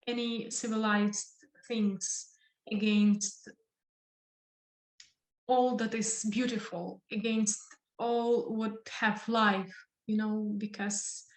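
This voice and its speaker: Echoey, slow-speaking Ukrainian woman. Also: medium pitch. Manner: halting, searching for words in non-native English. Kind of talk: earnest impromptu speech in an online discussion. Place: indoors, online video call. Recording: echoey room on a video call.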